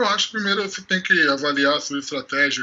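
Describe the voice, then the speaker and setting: A man with a fairly high pitch and ordinary pitch variation talks in an ordinary speaking voice. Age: 40s. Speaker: cybersecurity executive. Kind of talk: casual chat. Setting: remote recording.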